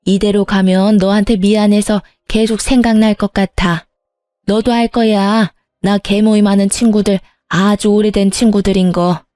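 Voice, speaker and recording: A woman's voice: mid-range voice, mellow, dry recording, lightly acted. A woman voicing a bossy, demanding older mother-in-law who scolds and pushes in a storytelling video. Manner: pushy, scolding.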